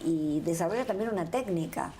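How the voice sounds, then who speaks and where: A woman's voice: on the low side, expressive, a little fast, mellow, a little hiss or hum. A woman interviewing her guest and encouraging her, with frequent hesitant fillers. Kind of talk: interview conversation.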